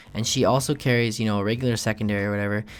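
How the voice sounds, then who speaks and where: An excited, medium-pitched man's voice in a very clean recording with a silent background. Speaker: gaming YouTuber. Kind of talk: casual gaming commentary. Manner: casual, excited.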